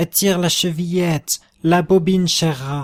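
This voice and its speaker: Put-on character voice from a man, pitched high, moderate in pace. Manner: coaxing, sweet, disguised.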